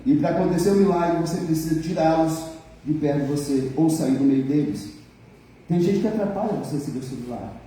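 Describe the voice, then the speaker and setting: Brisk and mellow, with a voice on the high side, a middle-aged pastor delivers a playful sermon in a church hall, poking fun at his congregation and mimicking people. The echoey hall is recorded from a distant mic.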